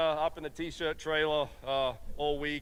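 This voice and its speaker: With an Australian accent, a man talks in a fairly high pitch using fairly even intonation. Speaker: racing driver. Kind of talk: post-race interview. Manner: hesitant, filler-heavy.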